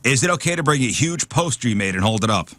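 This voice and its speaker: A man's voice: medium pitch, fast, dry recording. A man hosting a radio show, reading out poll questions and results in casual banter. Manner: reads out poll results, lively back-and-forth. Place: radio studio.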